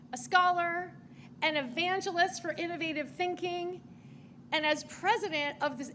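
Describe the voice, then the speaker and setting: Woman w a really high voice, polished formal remarks, intros the next speaker. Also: fairly bright tone, slight background noise. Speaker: company speaker introducing guests. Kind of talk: scripted ceremonial remarks.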